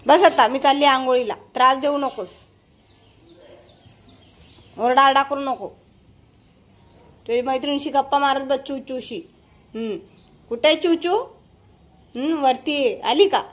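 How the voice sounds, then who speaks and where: A woman's voice: high voice, unhurried, long pauses. A woman talking to her pet dog at home, scolding and coaxing it in a casual, bossy way. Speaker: pet vlogger. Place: home kitchen.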